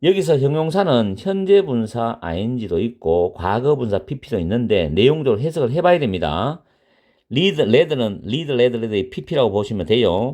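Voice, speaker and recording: A man's medium pitch with a Gyeongsang accent, very wide pitch swings and a moderate pace. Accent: Gyeongsang dialect, noticeable. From Korea, Gyeongsang region. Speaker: English test tutor. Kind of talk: tutorial.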